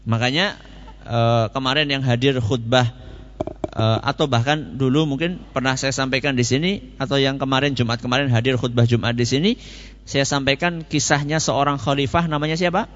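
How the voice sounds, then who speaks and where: A man's voice: medium pitch, steady tone, moderate pace, a bit bright, in a large hall, lo-fi sound. A man giving a Quran commentary lecture, telling stories and asking questions he answers himself. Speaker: preacher.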